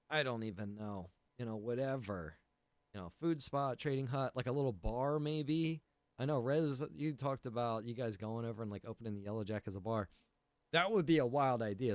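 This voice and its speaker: A man's voice: lowish voice, no echo. A man chatting casually on a game livestream, explaining things in a rambling, informal way as he addresses his viewers. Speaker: game livestreamer and roleplay server organizer.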